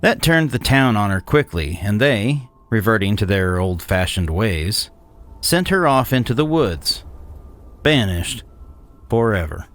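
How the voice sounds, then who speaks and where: A man playing a cynical, disdainful 1800s swindler, narrating a gothic horror tale in a measured, condescending way. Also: lowish voice, very animated, fairly bright tone. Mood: grim, detached. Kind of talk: scripted dramatic horror narration.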